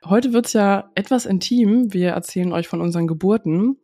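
Woman podcast host, stuffy nasal cold voice, upbeat, chatty, mid pitch. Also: normal speed, mellow. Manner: upbeat, chatty, leads the talk. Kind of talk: casual podcast chat.

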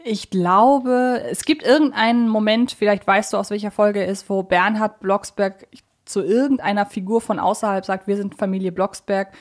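A woman's voice: medium pitch, fairly even intonation, normal speed. A woman hosting a podcast, talking casually in a reflective, explanatory way as she works through her points. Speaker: podcast host.

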